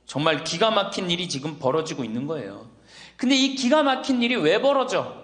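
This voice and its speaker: Middle-aged male priest, high lively delivery, playful lecture, long hall reverb. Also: brisk. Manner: lively, teasing, rhetorical questions to the audience. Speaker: Catholic priest giving a lecture. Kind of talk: humorous lecture to elderly audience.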